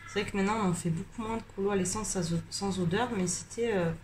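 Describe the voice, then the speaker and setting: A tired, slightly congested woman chatting casually while coloring, rambling with many hesitations and pauses. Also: mid-range voice, a little mellow, a little hiss or hum. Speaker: coloring vlogger.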